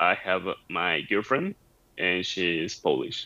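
Against a quiet background, a man with a Mexican accent speaks at a very slow pace and a fairly low pitch. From Mexico. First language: Spanish. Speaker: Spanish teacher. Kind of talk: interview.

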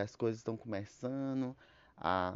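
Lively intonation marks this man's speech at a fairly low pitch. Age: 20s. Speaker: podcaster. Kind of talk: solo podcast monologue. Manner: hesitant, with fillers and repetitions.

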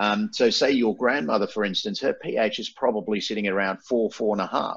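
A man talks in an Australian accent, and the background is quiet. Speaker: gastroenterologist. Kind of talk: interview discussion. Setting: video call.

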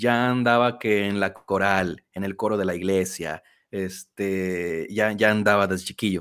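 A Mexican accent in a very clean recording with a silent background. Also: man. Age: 30s. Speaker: musician. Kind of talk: casual chat.

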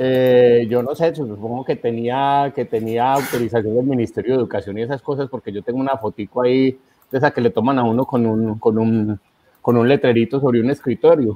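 Fairly quick in pace, a man of medium pitch speaks with fairly even intonation in an unremarkable speaking voice. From Colombia, Risaralda and Antioquia (Envigado). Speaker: writer. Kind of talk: casual interview conversation.

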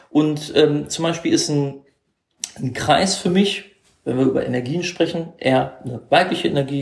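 A man speaks at a fairly slow pace, his pitch fairly high with ordinary variation. His voice is somewhat breathy. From northern Germany, Hannover. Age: 40s. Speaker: spiritual coach, former nightclub owner. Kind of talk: casual chat.

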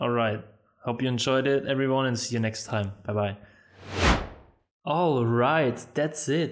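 Speaking with a non-native accent, a man at a medium pitch keeps a fairly slow pace and fairly even intonation. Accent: non-native English, good. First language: German. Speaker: podcast host. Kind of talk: interview. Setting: remote call.

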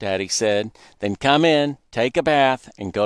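It is plain reading aloud, carried by lively intonation.

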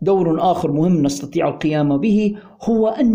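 A high-pitched man speaking at a fairly slow pace, ordinary pitch variation and audible room echo. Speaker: wrestling podcast host. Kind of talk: impassioned appeal; casual podcast monologue.

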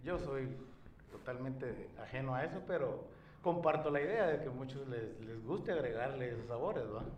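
A medium-pitched man at a moderate pace, with ordinary pitch variation, amid noticeable background noise and audible room echo. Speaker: coffee shop owner. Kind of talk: casual chat. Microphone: far from the mic.

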